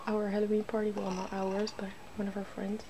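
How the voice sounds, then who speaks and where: A woman's voice: medium pitch, monotone, brisk. A woman hosting an ASMR video, chatting casually and informally as she works on someone's makeup. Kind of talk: ASMR, casual chat while doing makeup. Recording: noticeable background noise.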